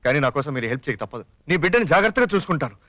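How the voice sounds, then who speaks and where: A man's voice: a little high, very animated, pushed and bright, no room sound, clean studio sound. An actor playing a young father who pleads and jokes as he talks his friend into a scheme, in a comic film. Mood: fast pleading. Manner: fast, pleading and joking.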